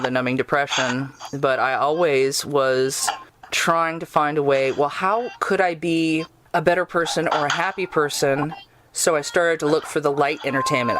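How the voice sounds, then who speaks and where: Low voiced lady podcast host, chatting casually, kinda reflective and rambly. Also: background noise. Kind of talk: casual interview chat.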